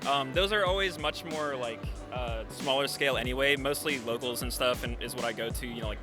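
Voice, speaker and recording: A young man from Florida rambles through his answers at a quick clip. He is outdoors at an event, and music plays clearly behind him. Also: mid-range voice. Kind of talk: casual interview answers.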